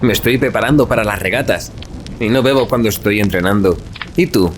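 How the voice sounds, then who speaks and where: An actor playing a hearty, disciplined young Victorian student rower in an audio drama. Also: male voice, lowish voice, a little fast, close to an everyday voice. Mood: casual, curious. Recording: faint background ambience noise.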